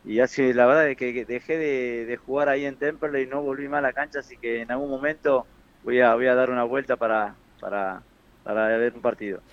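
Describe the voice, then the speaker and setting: A man, a football coach, answering radio interview questions in a halting way with repeated words. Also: mid-range voice, steady tone, dull audio. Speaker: football coach and former player.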